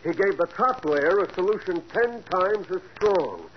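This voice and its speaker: An actor playing a brisk, friendly police sergeant in a 1940s radio drama, matter-of-fact in his reports. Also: high-pitched, lively intonation. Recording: dull old radio broadcast with faint hiss.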